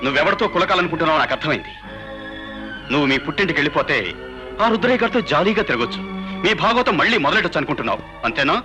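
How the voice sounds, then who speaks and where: A man's voice: on the high side, sing-song, rapid-fire, music in the background. An actor playing a jealous drunken young husband who taunts and threatens his wife in a dubbed film. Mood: scornful.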